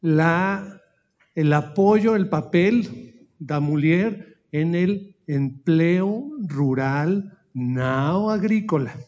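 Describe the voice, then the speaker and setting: A man who speaks Portuguese as a second language, with a Spanish accent and Spanish mixed in, gives a formal slide presentation at an anniversary event, pausing often to search for words. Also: on the high side, darkish tone. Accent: Spanish-speaking, mixing Spanish into Portuguese. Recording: dull lo-fi audio.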